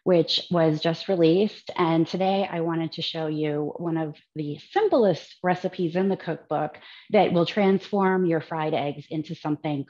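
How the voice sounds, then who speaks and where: A woman demonstrating a recipe as she cooks at the stove, chatting and explaining each step in a relaxed way. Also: low-pitched, highs cut off. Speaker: cookbook author demonstrating a recipe. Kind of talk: casual cooking demonstration. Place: home kitchen at the stove.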